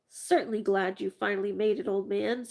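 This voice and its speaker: A woman's put-on character voice, growling at a medium pitch and a fairly quick pace. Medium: read story. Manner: cordial, blustering.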